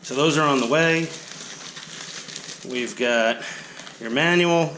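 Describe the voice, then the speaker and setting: Casual nasal man, bright and forward, rambling unboxing chat, picked up by an action camera. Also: a little high, slow pace, slight background noise. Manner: rambling, self-deprecating, chatty. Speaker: hobby channel host.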